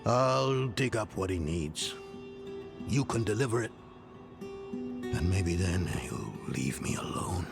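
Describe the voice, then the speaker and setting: An actor playing a grumpy, sarcastic old scholar of arcane lore in a game cutscene, with dry exasperation. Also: male voice, sits low, lively intonation, slow, vocal fry, pauses often, exaggerated voice. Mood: sardonic, exasperated. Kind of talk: dramatic video game cutscene acting. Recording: music behind the voice.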